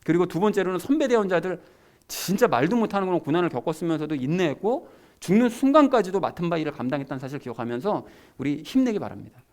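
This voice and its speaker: A man's voice: sits high, animated, quick pace, darkish tone. A man preaching a sermon as pastor, talking conversationally and emphatically to his congregation.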